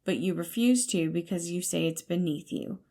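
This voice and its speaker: A weary, guarded young man in an audio drama , performed by a woman. The voice is on the low side with plenty of fry, and the delivery is dry, blunt and grudging. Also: normal speed, mellow. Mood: complaining.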